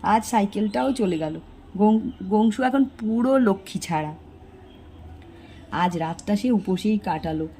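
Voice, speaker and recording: A woman's voice: animated, measured pace, long pauses, dark tone, slight background noise. An older woman narrating a homely village story, briefly lifting her voice for the characters' lines. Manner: homely storytelling, doing character lines with small pitch lifts.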